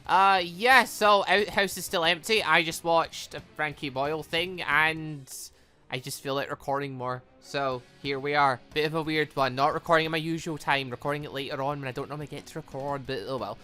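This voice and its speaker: A man hosting a game playthrough, rambling casually and excitably as he thinks aloud and drifts off on tangents. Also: a little high, normal speed, clean tone, soft background music. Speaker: host of a game playthrough series. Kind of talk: casual rambling gaming commentary.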